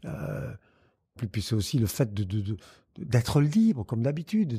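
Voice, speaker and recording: The man's voice has a dark, mellow tone and is somewhat breathy. His pitch swings very widely. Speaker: three-star chef. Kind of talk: interview answer. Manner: energetic.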